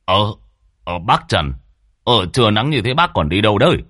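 Brief: male storyteller playing a jumpy, gossipy villager, fast and exclaiming, pitch leaping around; dry close sound. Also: big pitch swings, fairly bright tone, no room sound. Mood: chatty. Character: excitable gossipy middle-aged village man.

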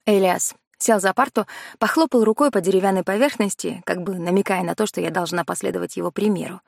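A woman's voice: medium pitch, fast talker, creaky, darkish tone, no echo, studio quality. A woman narrating a first-person novel as an audiobook.

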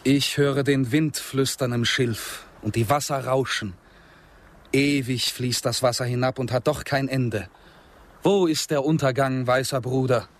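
A man's voice: medium pitch, steady tone, measured pace, natural voice. Man acting a solemn, dignified Native American. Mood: solemn, calm. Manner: solemn, formal, lyrical. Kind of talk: German radio drama acting.

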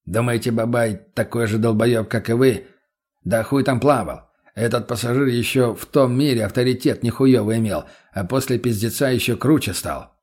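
A man's voice: mid-range voice, normal speed, a little mellow, natural voice. A man voicing a cool, sardonic male gypsy mercenary who speaks dry and blunt.

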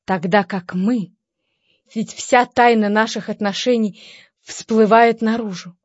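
A woman doing a lisping, frantic gentleman. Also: on the high side, fairly even intonation, slow, dry recording. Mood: anxious. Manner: melodramatic, despairing exclamations. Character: flustered nervous gentleman suitor, man, lisping. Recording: slightly dull dry recording.

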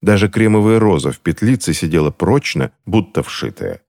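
Brief: male audiobook narrator, bass, highly expressive, theatrical. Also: normal speed, creaky. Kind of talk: scripted narration.

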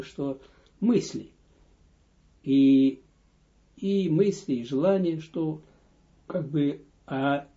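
Slow, dark-voiced man teaching a lesson. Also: a little high. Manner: reads lines aloud, then explains them step by step. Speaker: rabbi teaching a text. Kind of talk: slow spoken Torah lesson. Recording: dull lo-fi audio lesson recording.

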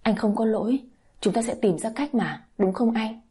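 A woman's voice: fairly high pitch, normal speed, warm tone, breathy edge. A woman voicing a heartbroken young wife who pleads through tears, in a read-aloud story. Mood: tearful. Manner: tearful, pleading.

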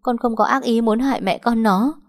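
Brief: desperate young wife, read by a woman, pleading and weeping, pitched up, storybook. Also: normal speed, close to an everyday voice. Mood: pleading, tearful. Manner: tearful begging.

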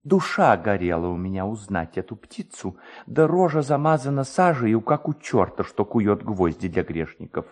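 A man's voice: on the low side, very animated, normal speed, few pauses, a little mellow. A man voicing a skinny, fawning, indignant village clerk with a singsong, complaining manner in a dramatised story. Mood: aggrieved.

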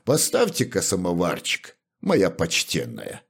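A gruff, commanding old butler, as a male reader puts him on, issues orders in this storybook reading. His stern voice sits slightly raised and moves with lively inflection. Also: deep voice, measured pace, exaggerated voice. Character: stern, bossy older male house butler. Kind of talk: audiobook character reading.

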